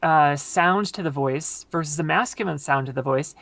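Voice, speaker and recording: A woman with a very low voice, explaining at length in casual conversation with many fillers, her voice tired from long talking. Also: moderate pace, fairly bright tone, no room sound. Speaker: podcast guest.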